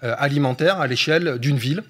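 Fast-talking man explaining in depth. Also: mid-range voice, a bit bright, husky. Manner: fast, fluent explaining with frequent hesitation fillers. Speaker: economist guest. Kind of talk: explanatory panel discussion.

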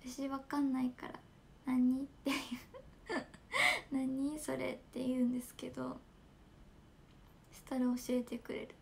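Giggly high-voiced young woman streamer. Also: little pitch movement, measured pace, vocal fry, long pauses, slight background noise. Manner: giggly, chatty, reads fan comments. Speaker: idol livestreamer. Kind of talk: casual livestream chat. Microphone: smartphone.

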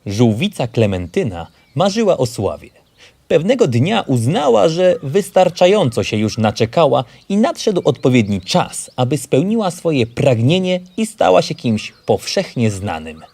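A man reads a scripted children's story as narrator. His pitch is average for a male, and his intonation moves up and down a great deal. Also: big pitch swings, unhurried, gravelly, darkish tone.

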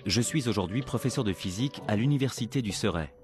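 A man narrating a documentary as its presenter, in a measured, earnest storytelling manner. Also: lowish voice, animated. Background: background music.

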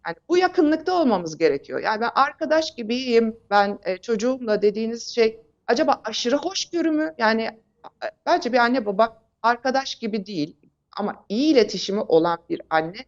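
The recording is slightly dull and lo-fi. A woman with a fairly high voice speaks as an expert guest in an interview. She explains things haltingly, pausing often as she builds each point. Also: animated. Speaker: expert guest, psychological counselor and psychotherapist.

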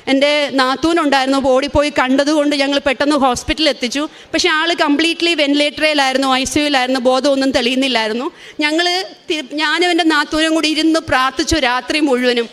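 A woman's voice: high-pitched, a bit bright. A woman in her forties with a Malayali accent, giving an earnest, emotional religious testimony. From India. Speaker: testimony speaker.

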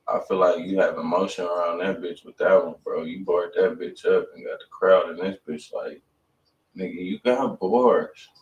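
A man's voice: deep voice, fairly even intonation, moderate pace, highs cut off. A man hosting a music review stream in casual chat, slangy and profane. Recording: roomy, distant mic, faint noise.

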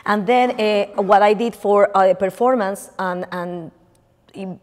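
A woman's voice: medium pitch, unhurried, darkish tone. Middle-aged woman with a Dominican Spanish accent, chatty lecturer in a reverberant hall, many restarts. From Dominican Republic. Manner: chatty, many restarts and fillers, gesturing as she speaks. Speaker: visiting artist lecturer. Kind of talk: lecture on her art. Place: lecture room in front of a projected slide.

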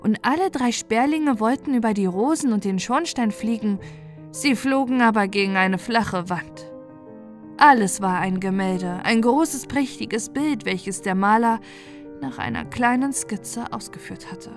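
A woman's voice: fairly high pitch, measured pace. Woman telling a fairy tale over music. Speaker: storyteller. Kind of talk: scripted fairy-tale narration. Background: background music.

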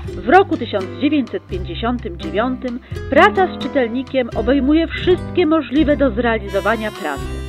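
A woman reads the chronicle in the crisp, chirpy manner of an old 1960s newsreel announcer, her voice sitting high. Her delivery stays brisk and upbeat throughout. Plucked guitar music plays clearly behind her. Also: sing-song. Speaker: chronicle narrator. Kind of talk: mock 1960s newsreel narration.

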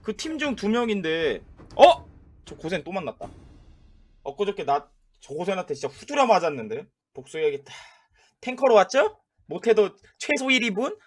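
A young man giving casual, excitable commentary over his own mobile game, trash-talking and narrating his plays. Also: high-pitched, normal speed. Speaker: gaming YouTuber.

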